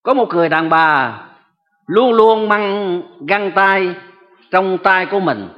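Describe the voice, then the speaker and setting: A man delivers a sermon in a slow, emphatic way, often turning to address his listeners. His voice sits high for a man. The recording carries a long church-hall reverb and a dull, lo-fi tone. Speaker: preacher. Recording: echoey hall, dull lo-fi sound.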